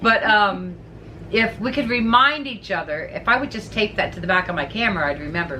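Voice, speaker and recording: A woman with a fairly high pitch talks at a medium speed while background noise is clearly audible. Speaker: vlogger. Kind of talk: casual chat. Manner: loud.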